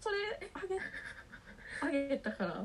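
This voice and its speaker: The background carries noticeable noise. Through it, a woman talks at a moderate speed. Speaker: podcast host, university student. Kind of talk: casual chat. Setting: video call.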